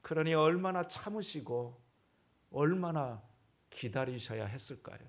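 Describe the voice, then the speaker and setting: A man's voice: a little high, expressive, unhurried. A male pastor preaching a sermon in a church, posing rhetorical questions to the congregation.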